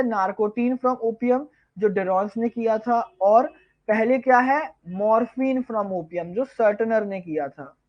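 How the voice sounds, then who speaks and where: A male tutor giving a live online revision lecture, firing off quiz questions and answering them himself, slowing down to dictate key terms. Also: high-pitched, dull audio. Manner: quizzes viewers, then answers his own questions. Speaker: pharmacognosy tutor.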